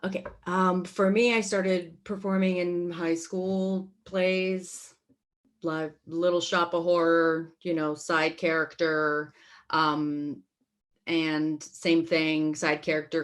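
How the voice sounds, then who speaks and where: A woman with a slightly low voice answers interview questions as a performer. Her talk is informal and conversational, with a wry edge. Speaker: theater performer and costumer. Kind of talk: casual panel interview.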